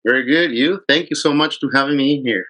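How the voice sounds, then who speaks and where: A man's voice: mid-range voice, fast talker, sharp tone. A man, a fly fishing guide telling his story in a casual interview, rambling and often restarting his sentences. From Chile.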